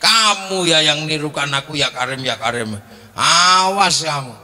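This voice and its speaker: A man voicing a big, tall, hot-tempered pilgrim man who talks in a gruff, threatening way. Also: fairly high pitch, lively intonation, measured pace, bright, forceful tone, voice pushed down, full character voice. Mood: angry, threatening.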